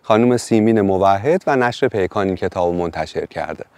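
A man hosting a book show, calmly explaining a book and then reading a story aloud. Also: deep voice, no room sound. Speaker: podcast host, book presenter.

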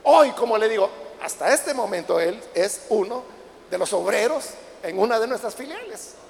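An older man preaches in a very high, gravelly voice, telling a story with growing emotion. He breaks into shouts at the peaks of the story. The sound comes from a reverberant church hall with faint ambience behind him. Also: animated, moderate pace, a little hiss or hum. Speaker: pastor. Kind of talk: sermon.

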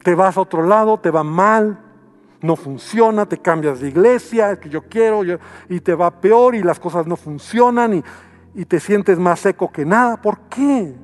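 A man's voice: high voice, unhurried, faint music behind. A male pastor preaching a sermon, acting out quoted voices as he goes.

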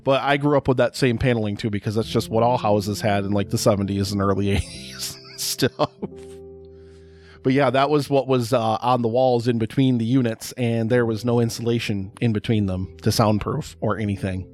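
A middle-aged man hosting a podcast, recorded close on a studio mic, with faint music underneath. His voice is loud and projecting, with a middle pitch. He rambles chattily through his story and repeats words for emphasis. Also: steady tone, moderate pace. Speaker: podcast host. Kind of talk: casual personal storytelling.

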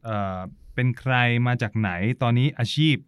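A man co-hosting a casual podcast, talking in a lively, animated way and laughing often. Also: medium pitch, normal speed, clean tone, dry recording, studio quality. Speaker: podcast co-host.

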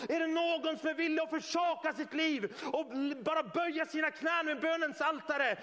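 A man's voice: very high-pitched, big-room sound, voice pushed up. A man voicing a rousing warrior God. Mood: rallying. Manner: rousing, calling out loudly. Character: mighty male warrior God, taunting the enemy.

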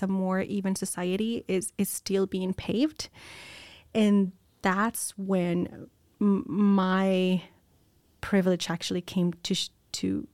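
A woman's voice: medium pitch, creaky, a little mellow, dry recording. An American woman, a nurse, telling her personal story as an interview guest, reflective and candid, with many ums and restarts. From United States.

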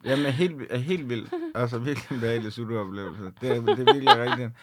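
A man's voice: medium pitch, very noisy. A young man, co-hosting a casual podcast, playful, with hesitant phrasing and casual swearing. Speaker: podcast co-host. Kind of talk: casual chat, candy review.

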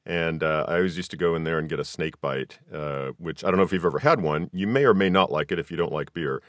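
A man's voice: rumbling low, quick pace, no echo, clean studio sound. A middle-aged American man hosting a casual conversational interview. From Southern California, US. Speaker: podcast host.

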